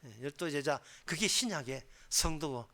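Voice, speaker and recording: Man, pastor, sermon, high voice, bright and sharp tone, emphatic, self-correcting delivery. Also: animated, normal speed. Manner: emphatic, rising to fervent intensity; explanatory, with frequent self-corrections. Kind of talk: Wednesday sermon.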